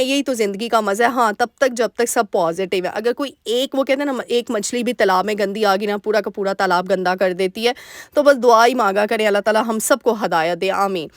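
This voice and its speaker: A young woman with a sore throat doing a chatty voice-over for her cooking vlog, recorded in a small dark store room. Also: on the high side, no echo, clean studio sound. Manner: warm, chatty, homely advice-giving. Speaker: vlogger homemaker.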